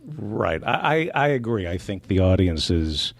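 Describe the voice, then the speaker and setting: Guesting on a laid-back podcast, this middle-aged comedian from New Jersey swaps dry, deadpan jokes that are sardonic and self-mocking. He talks at a measured pace in a fairly low pitch with some vocal fry, and the audio has no room sound.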